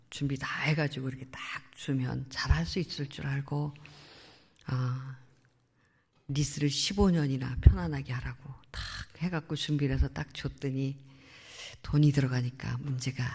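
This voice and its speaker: Middle-aged woman, missionary testimony, gravelly and mellow, earnest and reflective, echoing church hall. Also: a bass voice, steady tone, moderate pace. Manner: earnest, reflective storytelling with soft trailing phrases. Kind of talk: personal testimony at a prayer meeting. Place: church sanctuary. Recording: long church hall reverb.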